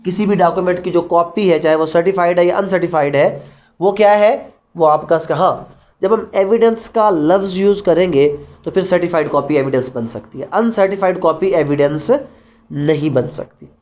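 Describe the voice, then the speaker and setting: A woman's voice: lowish voice, moderate pace, darkish tone. A woman with a Pakistani accent lecturing as a law teacher, posing questions and answering them herself, mixing Urdu with English terms. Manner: didactic, asks questions then answers them.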